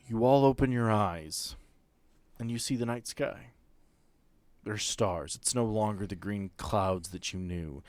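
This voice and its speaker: Low-voiced game master, dry sound. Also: male voice, no echo. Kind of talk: narrating a tabletop role-playing game.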